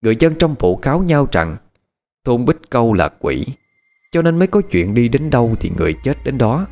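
A man narrating a dramatic story in an expressive, measured voice. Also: medium pitch. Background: faint background music.

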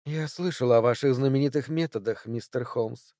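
Brief: poised, clever young woman, calm and measured, low mellow voice, dry sound, read by a male narrator. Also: dry recording, natural voice. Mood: composed. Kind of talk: audiobook character voice.

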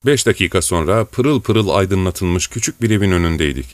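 Low-voiced male audiobook narrator. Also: expressive, brisk, dry recording. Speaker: audiobook reader.

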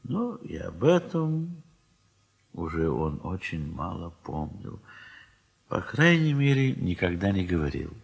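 A man narrating a radio play, reading literary prose in a measured, wistful way with soft, trailing phrase ends. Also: sits low, big pitch swings, gravelly, husky.

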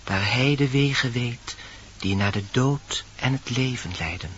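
An actor playing a solemn dwarf with a husky voice, summoning animals in declaimed radio-play verse. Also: male voice, medium pitch, a little slow, heavy background noise, lightly acted. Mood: imploring. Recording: dull old radio recording.

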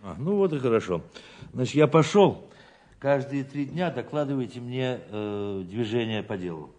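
An actor in an audio drama playing a police superior, measured and inquiring as he questions a subordinate. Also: medium pitch, animated, a little mellow, natural voice. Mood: brisk, commanding.

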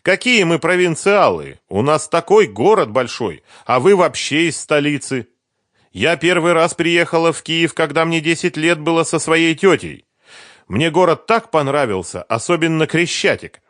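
Male reader doing a coy twenty-something woman singer, raised voice, lively rise and fall, dry close sound. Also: fairly high pitch, moderate pace, dry recording, voice pushed up. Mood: chatty. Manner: sighing, persuasive, lightly complaining. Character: young woman pop singer, 23, coy and calculating.

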